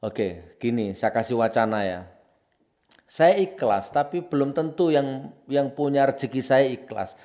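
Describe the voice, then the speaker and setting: A man preaching with confrontation, hammering out repeated accusations and swinging from low and solemn to loud and heated. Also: lively intonation, unhurried. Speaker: Islamic preacher. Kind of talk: impassioned preaching commentary.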